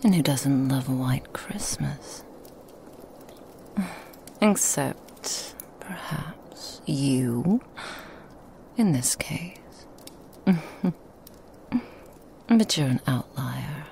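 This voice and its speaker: A woman voicing a seductive, sly female Christmas demon in an ASMR roleplay, whispering softly and teasing. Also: a bass voice, expressive, very slow, creaky, pauses often, slight background noise, exaggerated voice. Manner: soft whispering, teasing and insinuating.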